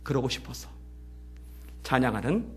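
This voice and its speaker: A man preaching as pastor, telling a story and swinging between hushed passages and loud, emotional peaks. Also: mid-range voice, sing-song, normal speed, breathy edge, faint music behind. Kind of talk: sermon. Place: church.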